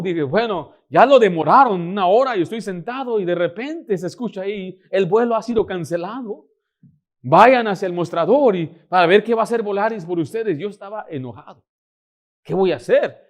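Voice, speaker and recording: A male preacher, telling stories from the pulpit in an animated way. His voice sits a little high for a man, and he jumps between narration and acted-out exchanges. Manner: animated storytelling, acting out dialogue. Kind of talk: sermon with personal story.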